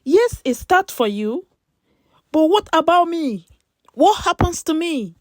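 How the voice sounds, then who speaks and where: A woman's voice: very high-pitched, very animated, slow pace, voice pushed up, exaggerated voice. A woman storyteller voicing a discouraged, bitter young immigrant woman who complains and questions plaintively.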